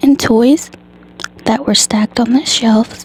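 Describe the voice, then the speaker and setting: A soft-spoken voice over music in the background. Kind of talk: ASMR book reading.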